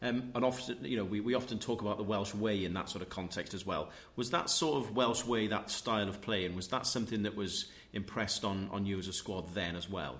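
This man talks at a fairly quick pace in a plain, everyday voice, his fairly low pitch showing ordinary pitch variation. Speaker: podcast host. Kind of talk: podcast interview.

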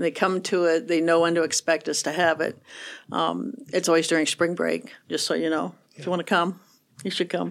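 A woman with a Midwestern American accent speaks at a fairly quick pace, fairly low in pitch with vocal fry and ordinary pitch variation, on a very clean recording with a silent background. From Nebraska (Kearney). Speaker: college grounds supervisor, horticulturist. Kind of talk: interview.

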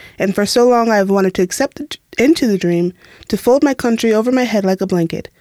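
A woman with an American accent talks at a moderate pace and medium pitch, her pitch varying in an ordinary way. She has a plain, everyday voice, recorded very cleanly against a silent background with a dry, close sound and no echo. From US Pacific Northwest, Tacoma. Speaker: educational specialist for foster youth. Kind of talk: casual roundtable discussion.

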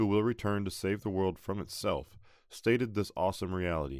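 A man talks at a fairly quick pace with fairly low pitch. He has an ordinary speaking voice. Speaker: audiobook-style narrator reading an article. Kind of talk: religious broadcast reading. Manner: formal, steady, solemn read-aloud delivery with a grave, earnest tone.

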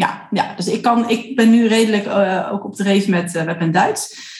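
Background noise is noticeable here. A woman speaks fairly slowly over it. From Netherlands. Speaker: podcast host, online marketing strategist. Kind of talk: conversational interview.

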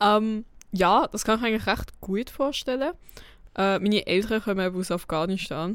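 Recorded very cleanly against a silent background, a woman with a Basel accent speaks at a moderate pace, her fairly high pitch showing ordinary variation. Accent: Basel Swiss German dialect. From Basel, Switzerland. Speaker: podcast co-host. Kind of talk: casual chat.

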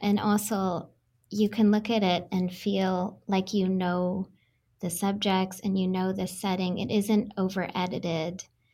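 A somewhat breathy, dark, mellow voice in a monotone, flat delivery, in a very clean recording with a silent background. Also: woman, medium pitch for a woman, fairly slow pace. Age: 20s. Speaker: painter. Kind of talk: interview.

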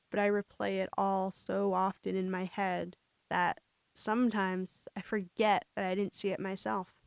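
An American-accented woman talks at a moderate pace in a flat monotone, her pitch medium for a woman. The sound is dry and close, with no echo. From New York City, Upper West Side Manhattan. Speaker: student author. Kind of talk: reading aloud own memoir.

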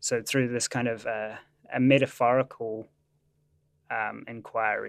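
Speaking with a New Zealand accent, a man at medium pitch uses a monotone, flat intonation, a fairly slow pace and long, frequent pauses. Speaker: scientist and animator. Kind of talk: interview.

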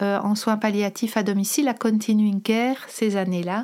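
A woman talks in an ordinary speaking voice at a fairly slow pace. Her pitch is fairly high and her intonation fairly even. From Brussels, Belgium. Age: 60s. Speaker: founder of a community housing project, caregiver. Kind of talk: interview monologue.

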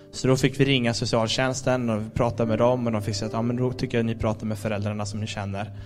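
Music plays in the background as a man with a medium-pitched voice rushes along at a very fast pace with hardly any pauses, his intonation monotone and flat, with audible room echo. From Sweden, Gothenburg. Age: 20s. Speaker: pastor. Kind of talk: sermon. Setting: church.

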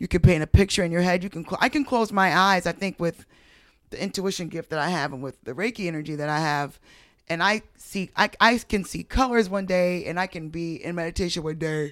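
A woman talks at a fairly quick pace in an ordinary speaking voice, with ordinary pitch variation and big swings in loudness. The recording is very clean, with a silent background. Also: fairly low pitch for a woman. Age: 30s. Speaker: digital media strategist. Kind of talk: casual chat. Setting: lounge couch.

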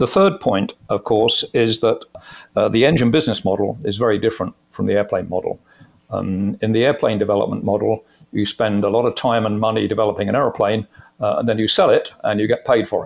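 A man with a British accent at a fairly quick pace. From England. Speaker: aviation executive. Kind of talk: interview. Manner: halting.

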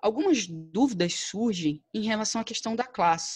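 A woman is speaking. Her pitch swings very widely. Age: 30s. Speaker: intellectual property lawyer. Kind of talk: interview.

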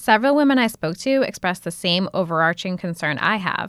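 In a very clean recording with a silent background, a woman with an American accent speaks at a fairly quick pace in an ordinary speaking voice, medium in pitch, with lively intonation. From Scranton, Pennsylvania, US. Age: 30s. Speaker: magazine writer. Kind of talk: reading aloud of a personal essay.

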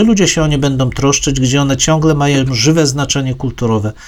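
A man's unremarkable speaking voice, fairly high in pitch with ordinary variation. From Poland. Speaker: historian, podcast co-host, professor. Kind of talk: casual chat.

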